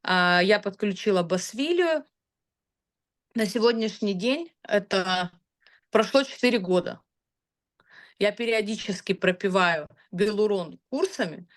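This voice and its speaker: A woman's voice: medium pitch, lively intonation, measured pace, pauses often. A woman in her thirties talking casually about her own results, chatty and hesitant, with frequent filler sounds. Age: 30s. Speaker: customer sharing product results. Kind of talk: casual testimonial talk.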